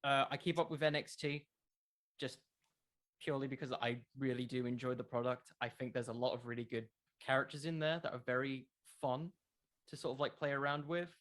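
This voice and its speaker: A man speaks as a guest in a casual podcast interview, his voice sitting at a middle pitch. He explains his views conversationally, often qualifying them as he goes. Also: steady tone, fairly quick, a bit bright. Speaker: podcast creator being interviewed.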